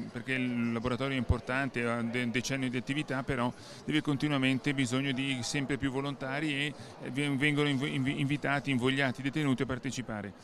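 A middle-aged man being interviewed at an exhibition stand, earnest and stumbling over his words into a handheld mic. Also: medium pitch. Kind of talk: interview at a book fair stand. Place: busy exhibition hall stand. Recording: crowd chatter behind.

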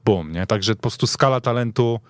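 A man's voice: lowish voice, moderate pace, no room sound. A man chatting casually and emphatically about football as a guest on a studio show. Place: radio studio.

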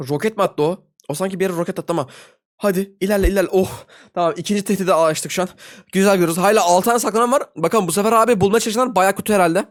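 A young man giving excitable live gameplay commentary as a video host, talking to viewers in slangy banter and yelping high when frustrated.

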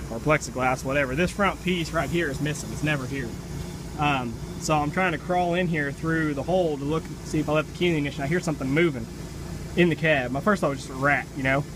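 A man talking casually and plainly, with mild cursing, as he vlogs on a phone outdoors at a work site as an excavator operator. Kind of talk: casual unscripted vlog narration. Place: outdoors at a land-clearing site and in an open excavator cab. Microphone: handheld phone. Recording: loud engine and outdoor machinery noise. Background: vehicle engine rumble and outdoor noise.

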